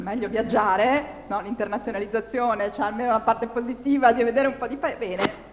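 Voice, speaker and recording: Over noticeable background noise, a woman talks at a moderate pace with a fairly high pitch and ordinary pitch variation. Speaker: university professor. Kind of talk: talk on stage at event.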